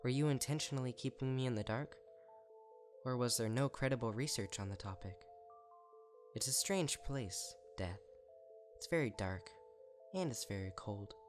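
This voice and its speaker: A man's voice: medium pitch, normal speed, pauses often, faint music behind, voice pushed up, close to an everyday voice. A man voicing a dead student unicorn's letter, curious, lonely and eerie, in a story reading. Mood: eerie wonder.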